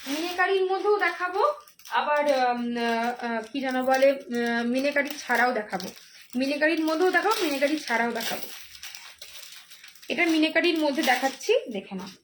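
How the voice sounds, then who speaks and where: A hoarse woman selling jewellery on a live stream, chatty and repetitive, with many fillers and drawn-out phrases. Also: high-pitched, animated, fairly bright tone, slight background noise. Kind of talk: live sales pitch.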